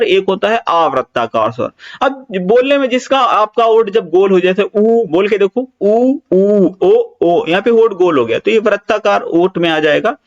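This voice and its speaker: Male exam tutor, high voice, self-questioning, drags out vowels to demonstrate; muffled lo-fi audio. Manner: repeats key points, asks and answers his own questions; draws out vowel sounds to demonstrate them. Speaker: teacher. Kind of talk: exam-prep lecture.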